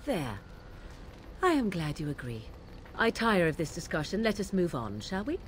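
Aloof young witch of the wilds for a fantasy game: low-pitched, unhurried, cynical, arch archaic phrasing. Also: very animated, slight background noise. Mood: disdainful. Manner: arch, cool, archaic measured diction. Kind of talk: fantasy video game acting.

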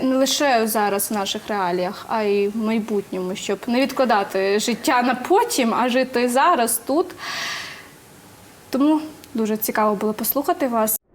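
A woman's voice: a little high, slight background noise. A woman hosting a TV program, thanking the guest and closing the show. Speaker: TV program host. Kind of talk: interview wrap-up.

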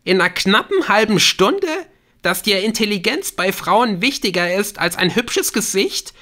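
A hurt, biting young woman from an audiobook novel, acted out by a man. The voice is lifted well up and has a sharp, forceful edge. She speaks in a snappy, accusing, sarcastic way. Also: high-pitched, animated, measured pace, pitched above the performer's own voice, exaggerated voice. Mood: furious, sarcastic.

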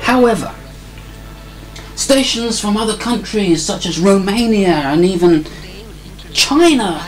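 A woman's voice: medium pitch, expressive, slow pace, soft background music, rough recording. A woman giving a casual, wry commentary while tinkering at a workbench, with apologetic asides, recorded on a desk microphone. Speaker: hobbyist radio tinkerer. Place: indoor workbench. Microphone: desk microphone near an amplifier.

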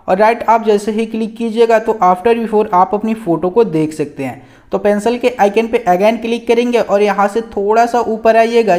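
Speaking in a high-pitched, slightly mellow voice, the channel's host casually guides his audience through a photo editing app one step at a time. Lots of filler words pepper his chatty talk, along with repeated calls to his friends and guys.

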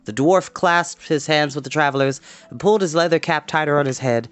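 A man's voice: on the high side, a little fast, a bit bright. Young man reading a storybook, music behind. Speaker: storytime host and reader. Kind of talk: expressive storybook reading with casual asides. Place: small home room, indoors.

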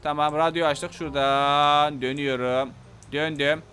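A man giving casual gameplay commentary, excitable, shouting angry threats one moment and muttering calmly to himself the next. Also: on the high side, a little slow, soft background music. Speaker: gameplay YouTuber.

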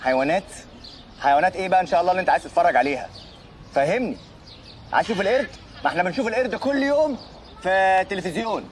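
Rapid-fire cocky Egyptian wisecracker. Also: male voice, sits high, animated, a little hiss or hum. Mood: teasing. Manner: teasing, sardonic. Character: cocky, wisecracking tough charmer. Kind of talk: comic screen acting.

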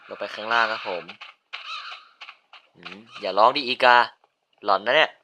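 Male game caster, casual running commentary, bright voice, quick startled outbursts, faint noise behind. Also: on the low side. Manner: chatty, bursts into sudden yelps and shouts. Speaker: gaming video host. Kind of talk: casual let's-play commentary.

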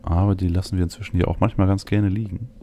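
A male let's play host with a dark, gravelly voice. He comments casually on a game, thinking aloud, with faint game ambience behind him. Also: deep voice, steady tone, fast talker, a little hiss or hum.

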